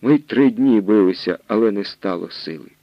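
A man's voice: fairly low pitch, moderate pace, dry recording, muffled recording, natural voice. A man voicing a frightened young male soldier who pleads and stammers out bad news, in an audiobook reading. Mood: pleading.

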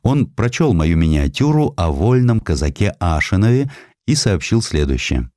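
A man reading a scripted historical sketch as an audiobook narrator, in an expressive, dramatic storytelling manner. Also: sits low, moderate pace, dry recording, clean studio sound. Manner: expressive storytelling, acting out quoted speech.

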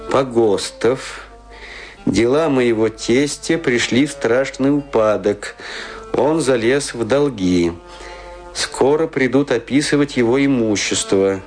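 A man playing a disillusioned, drunken provincial stage actor, self-mocking and brooding, in a theatrical radio drama monologue that rambles with pauses. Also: medium pitch, darkish tone, soft background music, close to an everyday voice. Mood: befuddled, musing.

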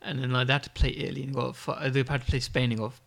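A man's voice: mid-range voice, little pitch movement, racing, creaky, fairly bright tone. A man in casual podcast chat, laid-back, swearing a lot and laughing often.

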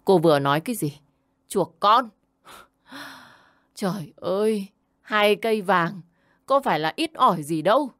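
A woman voicing a furious older mother-in-law who wails and shouts as she scolds. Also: mid-range voice, expressive, unhurried, long pauses, dry recording, studio quality, pitched above the performer's own voice. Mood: raging.

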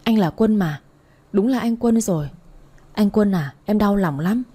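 A woman's voice: mid-range voice, animated, a little slow, dark tone, breathy edge. A woman voicing a drunk, heartbroken young woman who slurs and pleads. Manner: slurred, pleading.

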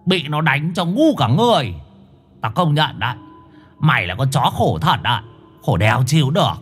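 A man's voice: on the high side, very animated, normal speed. A man voicing a mournful, coarse male dog complaining from a cage. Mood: lamenting. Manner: whiny, lamenting, coarse. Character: mournful, foul-mouthed caged male dog. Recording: faint music behind.

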